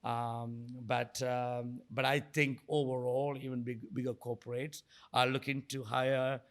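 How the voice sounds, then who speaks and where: Creaky-voiced middle-aged man, halting talker. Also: mid-range voice, little pitch movement. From Sri Lanka. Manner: halting, repeats words and rephrases often. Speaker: guest, entrepreneur and investor. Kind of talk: conversational interview answers.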